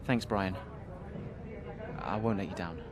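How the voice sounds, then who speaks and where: A young man's fairly low voice as a rookie racing driver in a video game story. He is humble, eager and a little nervous, speaking naturally over clear background noise. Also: slow pace. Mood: quiet, nervous. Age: young adult.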